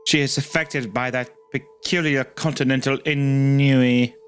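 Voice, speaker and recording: A man voicing a pompous, self-serious gentleman of a grand house, drawn-out and formal, in a comic story reading. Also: medium pitch, fairly even intonation, smooth, faint music behind, lightly acted.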